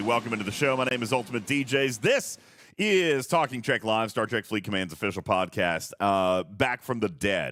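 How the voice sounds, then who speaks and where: This man has a bright, sharp tone at a medium pitch. He talks at a fairly quick pace with ordinary pitch variation. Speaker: podcast host. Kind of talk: live podcast chat. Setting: live podcast taping.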